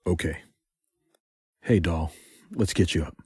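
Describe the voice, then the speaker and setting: Man playing a hot-tempered, protective, flirty male spy, deep voice, breathy rasp, audio drama. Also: unhurried, a little mellow, no echo, clean studio sound, full character voice. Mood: gentle, reassuring. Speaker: voice actor in a fan audio drama. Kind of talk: audio drama acting, intimate.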